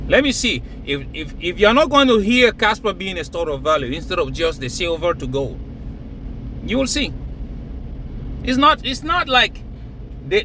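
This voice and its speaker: A man's voice: high voice, pushed and bright, a little hiss or hum. A man from Cameroon, raised in Nigeria, talking emphatically to camera and laughing between phrases. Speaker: crypto vlogger. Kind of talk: casual hype monologue to camera.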